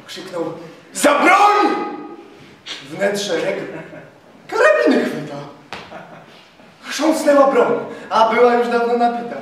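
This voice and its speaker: Male actor, dramatic epic-verse recitation, slow and expressive, distant mic, heavy room echo. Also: high voice, a little hiss or hum. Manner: theatrical, with sudden swells and drops in loudness. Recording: echoey room, mic far off.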